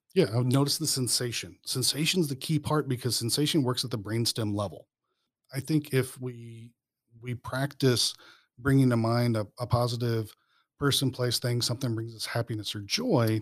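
Speaking in a normal speaking voice with an American accent, a man keeps a medium pitch, ordinary pitch variation and a moderate pace. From US Midwest, southeast Missouri. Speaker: university lecturer and war veteran. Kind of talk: podcast interview.

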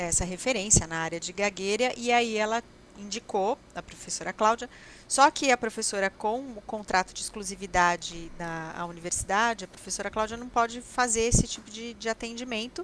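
It is a plain, everyday voice with ordinary pitch variation. Loudness rises and falls in big swings. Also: woman. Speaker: speech therapist and researcher. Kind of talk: interview conversation.

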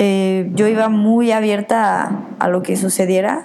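With fairly even intonation and a medium pitch, a woman speaks in an unremarkable speaking voice. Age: 20s. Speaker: podcast guest. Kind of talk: casual interview conversation.

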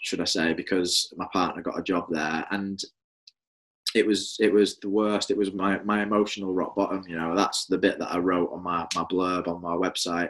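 A man with a Mancunian accent speaks fairly quickly in a very deep, low voice. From Manchester, northern England. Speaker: addiction recovery author and podcaster. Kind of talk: interview testimony.

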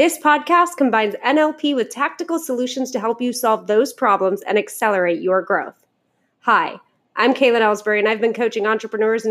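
A woman's fairly high, unremarkable speaking voice with lively intonation, on a very clean recording with a silent background. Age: 30s. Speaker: podcast host and business coach. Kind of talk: motivational monologue; scripted show intro.

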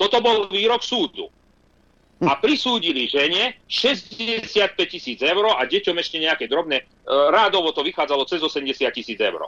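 A man speaks at a fairly slow pace in a raised, projected voice with a high pitch. His tone is bright and sharp, with very wide pitch swings. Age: 40s. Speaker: hunter and politician. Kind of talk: radio interview. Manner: animated.

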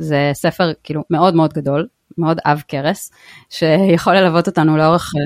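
In a dry, close recording with no echo, a woman with a very deep, low voice speaks at a moderate pace in a flat monotone. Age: 30s. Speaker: postpartum doula. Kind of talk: interview conversation. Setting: remote recording. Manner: repetitive, halting at times.

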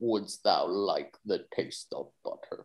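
A man talks fairly slowly in a put-on character voice. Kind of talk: archaic. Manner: menacing, archaic.

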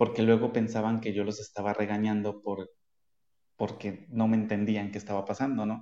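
Here a man speaks at a fairly low pitch with a dark, mellow tone. His intonation is monotone and flat. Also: moderate pace. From Colombia. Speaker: podcast co-host and music teacher. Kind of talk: interview.

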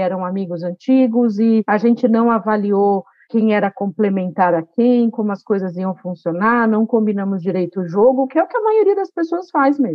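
A woman with a normal speaking voice talks at a moderate pace, her fairly high pitch moving with ordinary variation. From Brazil, Northeast (Alagoas backlands). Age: 50s. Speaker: social entrepreneur. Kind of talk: interview. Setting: video call.

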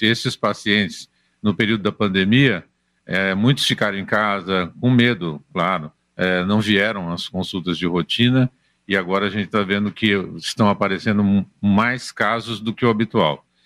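Heard in a very clean recording with a silent background, a man with an ordinary speaking voice and fairly low pitch talks at a moderate pace with ordinary pitch variation. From Brazil, Paraná (Iporã area). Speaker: urologist. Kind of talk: radio talk show interview. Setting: radio studio.

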